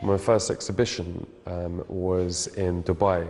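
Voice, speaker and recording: In a British accent, a man speaks with a very deep, low pitch and monotone, flat intonation. Noticeable background noise runs underneath. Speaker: painter. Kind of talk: interview monologue. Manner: halting, many fillers.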